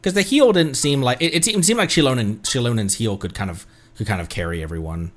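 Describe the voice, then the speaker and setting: A man's voice: mid-range voice, animated, quick pace, fairly bright tone. A man streaming a game, rambling casually and thinking aloud to his viewers. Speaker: streamer, VTuber host. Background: music.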